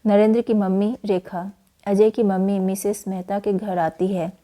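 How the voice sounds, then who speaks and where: A woman's voice: medium pitch, level tone, normal speed, warm tone. A woman teacher reading a school play chapter aloud, including its stage directions.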